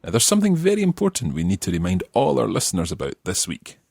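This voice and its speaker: A man teaches on a language podcast, breaking grammar down patiently and encouraging his learner. His voice is low and a little husky, with lively, expressive intonation. The recording is close and dry. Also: brisk, no room sound. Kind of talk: explanatory podcast lesson.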